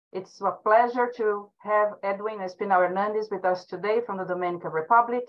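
Middle-aged woman hosting, slightly dull audio. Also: medium pitch. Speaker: webinar host. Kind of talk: bilingual welcome and moderating. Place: indoors on a video call.

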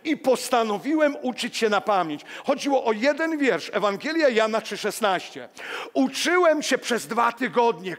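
A man in his sixties, a pastor, preaching a lively sermon with personal stories to a congregation, acting out the quotes as he moves among the pews. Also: very high voice. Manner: animated, walks among the pews, acts out quotes. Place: church hall. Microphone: headset mic. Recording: long church reverb.

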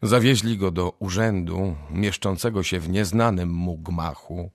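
A man narrating a scripted story for a radio drama in a husky voice. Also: sits low, unhurried, dry recording, studio quality.

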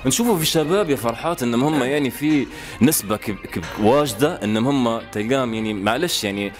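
Brisk Libyan male TV interviewer. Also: medium pitch, animated, soft background music. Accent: Libyan Arabic. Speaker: TV host and interviewer. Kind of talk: street interview and show intro.

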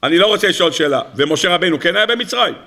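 Teaching Torah before an audience, a rabbi with a high-pitched voice keeps up a playful, animated stream of rhetorical questions.

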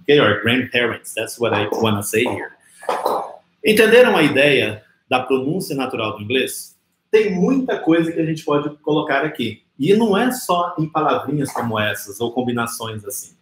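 A man's voice: medium pitch, big pitch swings, roomy sound, slight background noise, rough recording. Brazilian man teaching English pronunciation. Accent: Brazilian Portuguese. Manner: explains in Portuguese, slows down to model English phrases. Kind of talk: live online English lesson.

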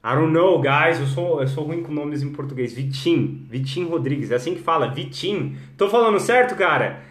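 Energetic man, bilingual live lesson, echoey. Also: a little high, normal speed. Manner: energetic, mixes English and Portuguese, greets viewers by name. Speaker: English teacher. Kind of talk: live-streamed English lesson.

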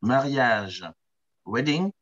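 A man's voice: medium pitch, lively intonation, extremely slow, fairly bright tone, lo-fi sound. A man reciting English vocabulary in an online class, hesitant and careful, heard over call audio. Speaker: student.

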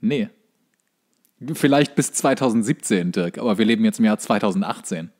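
A man's voice: fairly low pitch, animated, normal speed, darkish tone. A man co-hosting a comedic podcast, teasing and quizzing in a casual, wry way. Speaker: podcast co-host. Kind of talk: casual comedic banter, quizzing his co-host.

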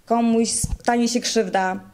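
A woman's voice: fairly high pitch, fairly even intonation, takes it slowly, darkish tone, a little hiss or hum. A woman answering viewer questions to camera, talking sweetly and calling her viewers her dear ones. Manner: sweet, addresses viewers as "moi kochani". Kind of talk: casual talk to camera.

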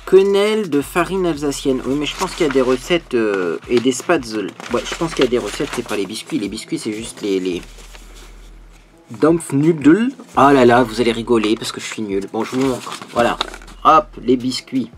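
A man's voice: medium pitch, lively intonation, normal speed, slight background noise. A man, a beauty youtuber, chatting casually and animatedly while unboxing a parcel, full of fillers.

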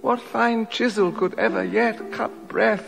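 A repentant older king, awed and yearning before a wonder. His verse comes measured and high-pitched, and it rings with a long reverb, as if in a stone chapel. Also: steady tone, vocal fry, fairly bright tone, soft background music, full character voice. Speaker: actor playing King Leontes. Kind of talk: classical stage acting, audio drama.

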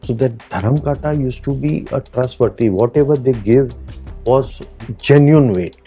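A middle-aged man with an Indian English accent, a jeweller answering interview questions in earnest, halting English inside his small shop. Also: mid-range voice, mellow, slightly rough, faint music behind.

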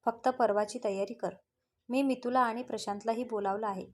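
A woman voicing a calm, firm middle-aged father who speaks with quiet assurance. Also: a little high, moderate pace, lightly acted. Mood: assured.

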